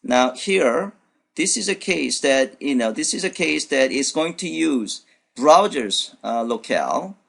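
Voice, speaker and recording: A man whose first language is Korean talks through a programming demo at his computer, thinking aloud and filling pauses with uh and you know. His voice sits at a middle pitch and carries a heavy gravelly fry through most phrases. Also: expressive, fairly bright tone. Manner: thinks aloud with many fillers and restarts. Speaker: programming instructor. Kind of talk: unscripted screencast walkthrough. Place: at his computer, voice-over on screen recording.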